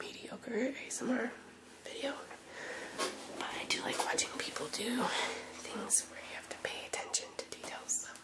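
The speaker whispers at a moderate speed, stopping for long pauses that come often. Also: woman. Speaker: ASMR creator. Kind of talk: ASMR video. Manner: whispered.

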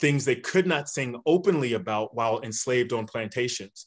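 The speaker uses a normal speaking voice at a moderate pace. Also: man. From North Carolina, US South. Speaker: author and navy officer. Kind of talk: video call book discussion. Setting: online video event.

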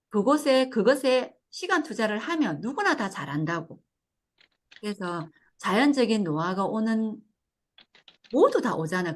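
Against a quiet background, a woman talks fairly slowly with lively intonation. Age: 50s. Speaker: brain training franchise manager. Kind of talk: case presentation. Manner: halting.

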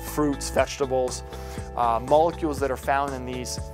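A man talking at a fairly quick pace over clear background music. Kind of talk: interview answer. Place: studio. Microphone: lapel.

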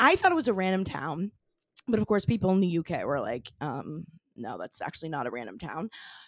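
Over a quiet background, a woman talks fairly quickly in an animated tone with vocal fry, very wide pitch swings and big swings in loudness, her voice dry with no echo. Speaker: podcast host and comedic performer. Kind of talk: casual chat. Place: studio. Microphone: studio mic.

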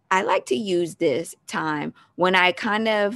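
A woman's voice with a dry sound, no echo, against a quiet background. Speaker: mom podcaster. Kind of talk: casual vlog chat. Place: home room. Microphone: headset.

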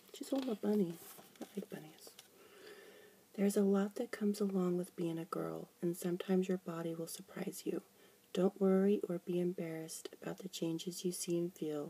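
Soft-spoken and gentle in tone, a woman of medium pitch talks at a fairly quick pace with fairly even intonation. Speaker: ASMR reader. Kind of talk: ASMR soft-spoken children's book reading. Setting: recorded from inside a blanket fort. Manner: soft-spoken, gentle. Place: home room. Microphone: phone near.

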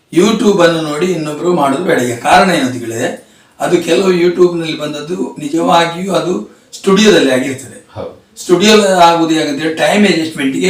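Through noticeable background noise and audible room echo, a man speaks at a high pitch. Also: ordinary pitch variation. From Kerala, Thrissur. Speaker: Yakshagana artist. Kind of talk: interview.

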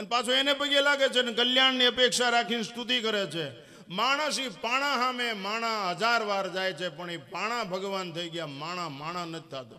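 Raised and projected, a man's high-pitched voice moves with lively intonation. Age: 70s. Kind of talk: religious discourse. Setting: religious gathering with audience. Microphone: podium.

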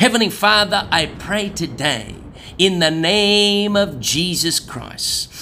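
With a raised, projected voice, a high-pitched man speaks at a very slow pace using ordinary pitch variation. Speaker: pastor. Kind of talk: prophetic utterance and prayer.

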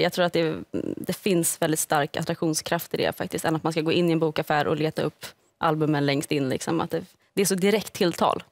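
An ordinary speaking voice moves at a fairly quick pace with fairly even intonation. The background is quiet, and the sound is dry, with no echo. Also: woman. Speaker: cartoonist. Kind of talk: TV talk show interview. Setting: TV studio. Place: studio. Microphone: headset.

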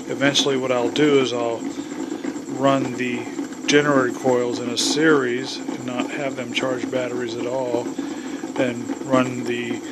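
A man talks at a fairly slow pace with long, frequent pauses. Loud background noise fills the recording. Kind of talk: casual project explanation. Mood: pleased, relaxed. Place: garage. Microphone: phone near.

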